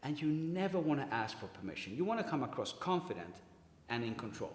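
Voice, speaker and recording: Amid noticeable background noise and audible room echo, a man with a Swedish accent talks at a very fast pace in a fairly high pitch with very wide pitch swings. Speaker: comedian and public speaking coach. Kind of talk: workshop tutorial. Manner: casual, with fillers and restarts.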